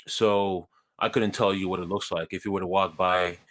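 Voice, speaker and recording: A man from Ghana, a guest in a conversation, telling his life story in a measured, earnest way with light self-deprecating humor. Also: sits low, level tone, fairly bright tone.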